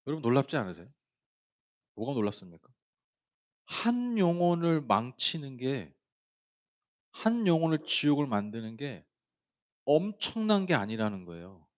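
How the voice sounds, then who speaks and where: A man's voice: medium pitch, very animated, moderate pace, long pauses, a little mellow, dull audio. A man preaching a sermon, telling a story in a chatty way with many fillers and speaking directly to the congregation. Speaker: pastor.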